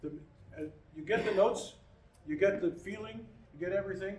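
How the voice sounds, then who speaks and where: Audible room echo follows a man speaking at a high pitch. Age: 70s. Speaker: pre-concert lecturer, singer and radio host. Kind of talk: audience Q&A. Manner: halting, with restarts.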